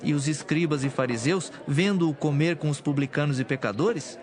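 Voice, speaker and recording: A man's voice: a little high, normal speed. A man narrating a dramatized audio Bible in a solemn, formal storytelling style.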